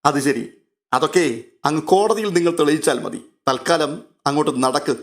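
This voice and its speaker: A stern male police inspector, gruff and scornful as he makes an arrest, read out by a man narrating a serial. The voice sits a little high for a man. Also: a little fast, lightly acted. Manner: gruff, sarcastic.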